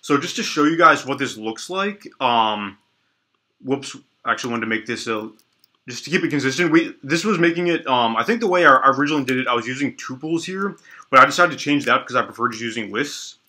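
Bright-voiced young man with allergy sniffles. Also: mid-range voice, fairly quick. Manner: relaxed, lots of ums and restarts, thinks aloud while typing. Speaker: coding tutorial host. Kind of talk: casual screen-recorded coding tutorial. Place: small indoor room at a desk.

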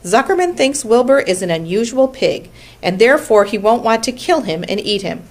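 A woman reading a storybook aloud, voicing a wise, precise female spider who runs a barn meeting in a brisk, tart, schoolmarmish way. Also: on the high side, sing-song, darkish tone, pitched above the performer's own voice.

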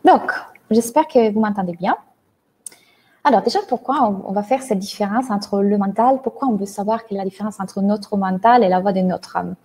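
A woman in her thirties from Italy, speaking French with an Italian accent, explaining ideas as a mindset coach on a video call, talking with lively hand gestures. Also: medium pitch, a little fast, husky. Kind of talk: online talk, explaining to a live audience. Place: bright room at home, indoors. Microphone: earphone headset mic on a video call.

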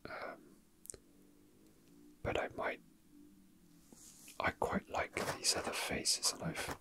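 An ASMR host whispering casual, unhurried chat close to the mic, musing to themselves while handling small objects. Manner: hushed, unhurried, musing to self.

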